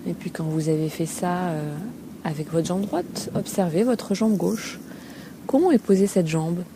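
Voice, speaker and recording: A woman with a lowish voice improvises a guided body scan as a Feldenkrais relaxation lesson, speaking gently and without hurry in short phrases broken by hesitant pauses. She is outside by a calm sea, where steady ambient waves and a few seagulls can be heard.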